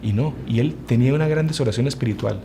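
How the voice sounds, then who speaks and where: A man's voice: medium pitch, creaky, warm tone. Earnest man preaching, faint background hiss. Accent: Uruguayan Spanish. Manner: earnest, preaching, speeds up and slows for emphasis. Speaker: religious brother giving a formation talk. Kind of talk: spiritual formation talk.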